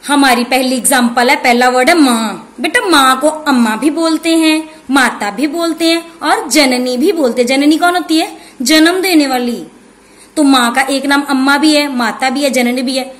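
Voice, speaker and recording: High-voiced teacher in an echoey room. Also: female voice, a bit bright. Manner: explains slowly, repeats key words and stresses them; calls the pupils 'beta' and asks questions before answering them. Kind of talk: online lesson for young children.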